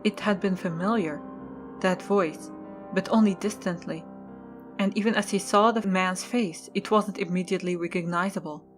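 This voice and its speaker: A woman's voice: mid-range voice, steady tone, normal speed, over music. A woman reading scripted narration as the narrator of an audio drama.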